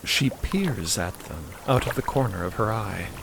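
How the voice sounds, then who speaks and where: A man narrating a scripted fiction podcast in a measured manner, savoring descriptive phrases. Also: lowish voice, lively intonation, creaky, noisy background.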